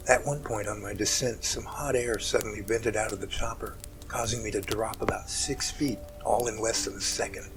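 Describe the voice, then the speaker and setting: A man's voice: on the low side, steady tone, lightly acted, low-quality recording. Earnest, emotional male rescuer over music, acted by a man. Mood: earnest, awed. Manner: earnest, halting, dramatic storytelling. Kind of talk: amateur audio drama acting. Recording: music bed under the voice.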